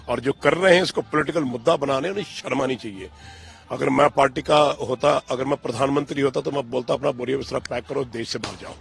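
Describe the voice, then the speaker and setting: Gravelly, husky older man, impassioned. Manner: emphatic, indignant, swings between loud outbursts and low, pained tones. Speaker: interviewee, father of a cricketer. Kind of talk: impassioned interview answers.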